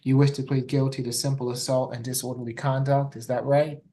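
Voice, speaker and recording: A male judge runs formal courtroom questioning in a polite, measured way. His voice is mellow and relaxed, and the pitch stays quite flat.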